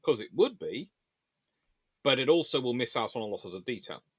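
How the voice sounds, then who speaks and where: A man's voice: mid-range voice, very animated, a little fast, breathy edge, no echo. Man explaining history in a dry-sounding room. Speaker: naval history video host. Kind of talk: informal explainer and viewer Q&A.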